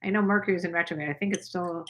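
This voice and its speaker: An older woman hosting a casual livestream chat, rambling with quick asides. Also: on the low side, fairly even intonation. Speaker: channel host.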